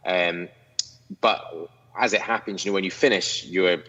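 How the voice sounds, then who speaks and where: A man's voice: low voice, fairly even intonation, moderate pace, bright, forceful tone, big-room sound, highs cut off. A young Scottish man from the northeast chatting as a podcast guest, self-mocking and full of restarts, over a video call. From Scotland, northeast near Inverness. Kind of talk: casual interview chat. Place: his own studio.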